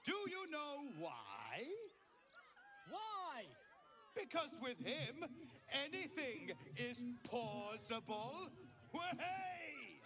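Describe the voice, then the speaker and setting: A man's voice: very high voice, huge pitch swings, very slow, background noise, heavily acted. A man voicing a circus clown in a video game, doing exaggerated stage patter, heard at a distance with faint music. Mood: showy, jokey. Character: high-voiced circus clown telling stage jokes. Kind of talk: video game character acting.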